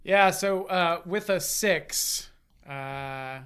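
A game master narrating and ruling a tabletop role-playing game in a hesitant, relaxed way. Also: medium pitch, extremely slow, slight background noise. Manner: hesitant, many fillers, relaxed.

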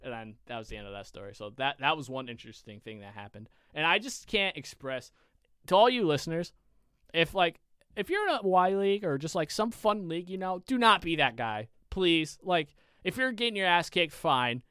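A young man co-hosting a podcast, telling a long story in a casual, animated, profane way with many restarts. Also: on the high side, fairly quick, clear, resonant tone, dry recording, clean studio sound. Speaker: podcast co-host.

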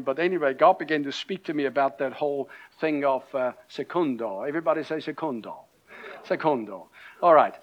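A middle-aged Austrian pastor preaches a conversational sermon in German-accented English, filled with fillers and restarts. His voice is a little high and the audio sounds dull.

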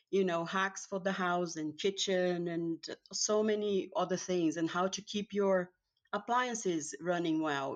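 A woman from Brazil with a Brazilian accent, a Portuguese speaker talking in English as an interview guest, in a halting, easygoing way with many pauses and restarts. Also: fairly low pitch, lo-fi sound. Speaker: guest, house cleaner. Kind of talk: casual interview chat.

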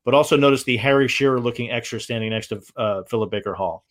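A man hosting a casual film discussion, halting and repeating phrases as he builds his points. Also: mid-range voice, noisy background. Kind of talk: casual film commentary chat.

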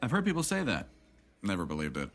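Over background music, a man with a fairly low voice plays a jaded, guarded middle-aged man in a naturalistic audio drama, a character bitter about his family. He talks fast and heavily acted, pitch swooping wildly, yet keeps a wry, reflective delivery.

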